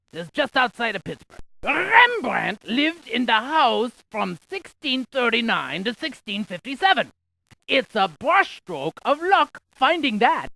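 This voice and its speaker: Casting: chatty trivia-loving game scientist, very lively intonation, bright gravelly edge, folksy delivery. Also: sits high, dry recording, full character voice, rough recording. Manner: animated, folksy, quippy asides. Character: chatty scientist sharing landmark trivia with a player. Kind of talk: scripted educational video game character dialogue.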